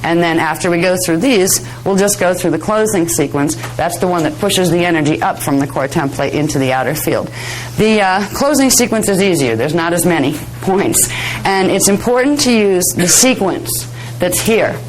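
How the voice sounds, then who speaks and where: A woman with a slightly hoarse, raspy voice giving an informal workshop lecture in a chatty, conversational manner. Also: lowish voice, animated, moderate pace, soft background music, low-quality recording. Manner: conversational, chatty, self-deprecating asides. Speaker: workshop instructor. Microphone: worn or held microphone close to the face.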